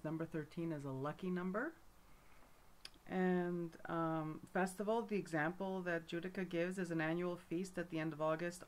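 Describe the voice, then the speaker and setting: A middle-aged woman from Montreal talks straight to camera in a relaxed, meandering way, full of "um"s and side remarks. Her voice sits a little low for a woman. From Montreal, Canada. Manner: rambling, with many fillers and asides. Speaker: folk magic teacher. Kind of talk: casual talk to camera.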